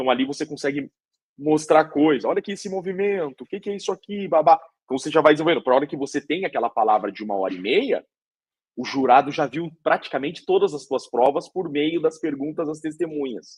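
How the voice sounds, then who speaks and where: A man talks very fast with lively intonation and a fairly high pitch. The sound is dry and close, with no echo. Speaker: criminal defense lawyer. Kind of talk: interview.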